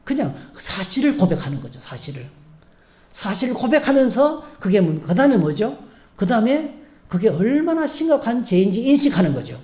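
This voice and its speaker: A man's voice: high-pitched, very animated, moderate pace, darkish tone. A male pastor preaching a sermon, acting out short prayers and leading the congregation in call-and-response. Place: church sanctuary. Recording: echoey church hall.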